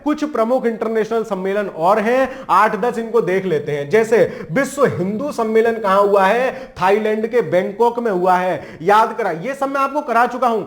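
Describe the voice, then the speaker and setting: A man teaching an exam-prep lesson in a casual, joking way, with memory tricks and frequent check-ins, speaking. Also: high voice. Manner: chatty, jokey memory tricks, frequent "ठीक है".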